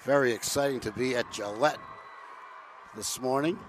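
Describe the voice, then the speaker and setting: A man doing play-by-play for a local TV broadcast of a high school football game, excitable and shouting on big plays. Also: moderate pace. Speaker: play-by-play announcer.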